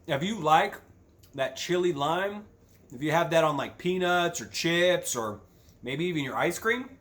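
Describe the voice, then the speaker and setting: Man, fairly high-pitched voice, food review host, casual chat, tasting crunchy chips as he talks. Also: fairly bright tone.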